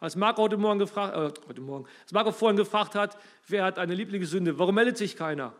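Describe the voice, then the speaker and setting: A man preaching a sermon, emphatic and rising and falling in loudness, speaking straight to his listeners. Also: sits high, quick pace.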